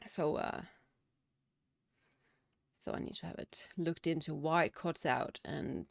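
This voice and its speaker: A Danish woman streams games from her home computer in a room with windows and curtains, chatting casually and reading out chat questions before answering them. Her voice is low-pitched and creaky. The recording is studio quality with no room sound.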